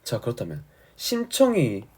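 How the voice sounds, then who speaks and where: A man teaching an exam-prep class, his voice husky and a little worn by a sore throat. His pitch rises and falls in a lively way as he drives points home. He explains step by step like a schoolteacher, often checking that listeners are following. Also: moderate pace. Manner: didactic, emphatic, often checks understanding. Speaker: Korean language and literature teacher.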